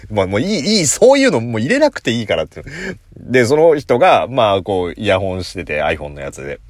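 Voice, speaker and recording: A man's voice: fairly low pitch, very animated, fast talker. A man casually telling a funny story on his solo talk show, laughing at his own jokes. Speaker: podcast host. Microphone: phone app recording.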